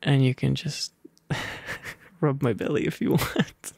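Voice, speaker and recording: A man with a British RP accent reading a storybook aloud and chatting as an ASMR boyfriend, drowsy, soft and playful, slipping into gentle whispers. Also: medium pitch, fairly even intonation, measured pace, creaky, breathy edge, dry recording. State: sleepy and overfull.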